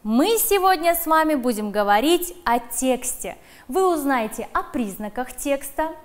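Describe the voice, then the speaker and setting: A woman leads a primary school class on television, talking straight to the children. Her voice sits high and moves through a wide, animated range. She slows right down to sound out dictation words with clear emphasis. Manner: addresses children directly.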